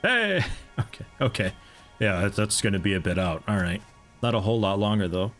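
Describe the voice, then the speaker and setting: A young man with a lowish voice and a mixed American accent, tinged with picked-up European mannerisms. He chats casually and rambles as he streams a game, interrupting himself with amused asides. Faint music plays underneath. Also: lively intonation, a little fast, a bit bright. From United States. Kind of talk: casual live-stream chat while playing.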